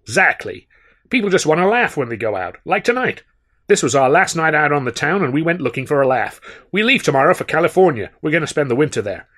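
A man's voice: fairly high pitch, sing-song, fairly bright tone, voice pushed up. A man voicing a brash, boastful big male film producer who talks in a slangy, blustering way. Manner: blustering, fast-talking, slangy.

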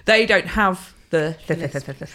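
A woman's voice: lowish voice, normal speed, fairly bright tone. A woman hosting a podcast in casual chat, playful and often laughing as she explains. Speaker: podcast host.

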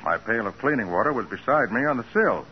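An actor playing a cool, tough private detective, wry and composed, in a 1940s radio crime drama. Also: male voice, mid-range voice, expressive, quick pace, close to an everyday voice. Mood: wry satisfaction. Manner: wry, composed, matter-of-fact. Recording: muffled, hissy 1940s radio recording.

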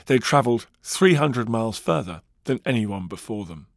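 A man's voice: mid-range voice, lively intonation, normal speed, gravelly, no room sound, clean studio sound. A man narrating a scripted history documentary with dramatic, varied emphasis.

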